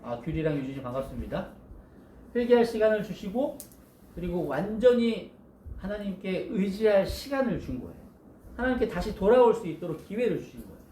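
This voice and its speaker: A male pastor giving a storytelling sermon to children, animated and asking his listeners questions. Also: sits high, brisk, echoey room, slight background noise.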